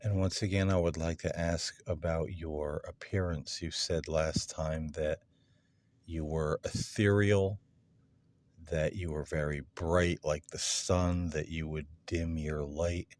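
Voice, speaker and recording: A man with an extremely deep voice speaks at a slow, deliberate pace. He sounds like a paranormal investigator putting questions to an unseen presence, leaving space between his phrases. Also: fairly even intonation, darkish tone. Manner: deliberate, measured, with long pauses between phrases. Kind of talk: addressing spirits aloud in a recorded session, questioning.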